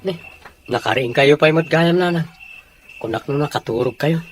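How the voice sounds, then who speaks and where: A performer playing a young man, a devoted but resentful grandson, in a Filipino audio drama, with a husky voice and a Filipino accent. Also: fairly high pitch, normal speed, slight background noise, close to an everyday voice. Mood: defensive. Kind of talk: Ilocano audio drama acting.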